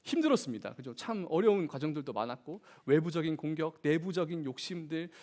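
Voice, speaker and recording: Man, youth pastor, high and lively delivery, preaches by asking the room questions. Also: a little fast. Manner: animated preaching with questions to the congregation. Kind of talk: sermon. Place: church.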